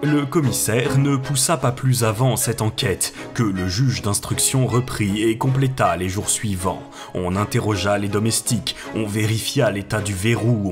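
A man narrating a classic novel as an audiobook reader in a calm, steady way. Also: fairly low pitch. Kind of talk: scripted narration.

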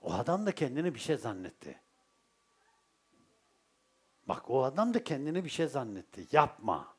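A man's voice: mid-range voice, moderate pace, slightly rough. A man with a Turkish accent giving a religious Sufi talk, telling stories and asking his listeners rhetorical questions. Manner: lively storytelling with rhetorical questions. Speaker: Sufi teacher.

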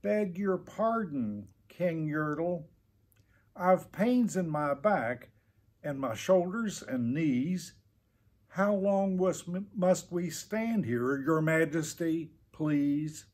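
A man's voice: fairly high pitch, expressive, extremely slow, a little mellow, voice pushed up, exaggerated voice. A man voicing a humble little storybook turtle who pleads politely and plaintively. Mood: meek pleading.

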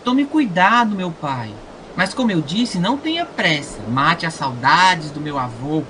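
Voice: medium pitch, lively intonation, a little slow, bright, forceful tone, slight background noise, rough recording. An actor with a Brazilian accent playing a dutiful young prince placating his father in an audio drama. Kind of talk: comic audio drama acting.

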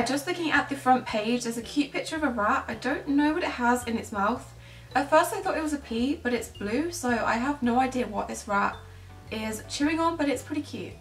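A woman's voice: fairly high pitch, a bit bright. A young woman in her twenties with a British accent, giving casual commentary to camera as a pet-care vlogger. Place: small bedroom indoors. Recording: roomy echo, distant microphone, faint music.

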